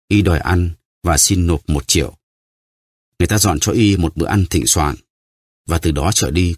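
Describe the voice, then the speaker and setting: A man narrating a novel as an audiobook in a steady storytelling manner. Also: low-pitched, slightly rough, dry recording, clean studio sound. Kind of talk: scripted narration.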